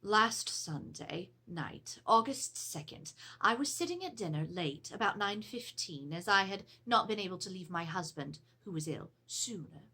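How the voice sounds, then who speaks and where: Casting: actress as genteel Edwardian lady of a haunted house, theatrical dramatic reading, slightly husky, very varied intonation. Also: medium pitch, full character voice. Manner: formal, theatrical, expressive storytelling. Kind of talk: dramatic reading of a period letter. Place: small room with draped cloth backdrop.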